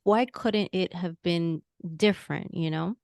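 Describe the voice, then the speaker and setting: A woman from New York talks as a podcast guest, with a light Latina tinge in her New York accent. She sounds bubbly and eager, and her voice is smooth and resonant. The recording is close and dry. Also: fairly low pitch, measured pace, darkish tone, no room sound. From New York, United States. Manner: bubbly, enthusiastic. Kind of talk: interview conversation.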